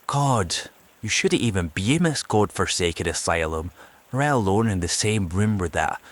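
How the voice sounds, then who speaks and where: A man's voice: on the low side, animated, moderate pace, natural voice. A man playing an indignant, paranoid asylum patient, blunt and cursing, in an audio drama. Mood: indignant, angry. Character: agitated, foul-mouthed, paranoid male asylum patient.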